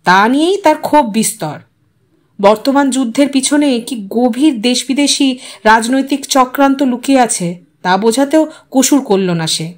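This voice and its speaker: Lady reading a story out loud, audiobook style, voice on the high side. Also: moderate pace. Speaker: audiobook narrator. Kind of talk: scripted story narration with acted dialogue.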